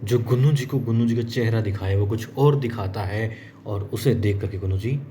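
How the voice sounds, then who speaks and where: A man's voice: lowish voice, normal speed, mellow, a little hiss or hum. A man casually retelling a TV serial episode, chatty, speaking to viewers as friends and acting out the characters' lines. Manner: chatty, addresses viewers as friends, acts out quotes. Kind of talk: casual storytelling recap.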